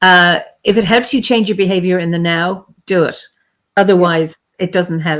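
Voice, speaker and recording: With long, frequent pauses, a woman talks at a medium pitch. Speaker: online talk show host. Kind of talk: casual conversation. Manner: fast; animated.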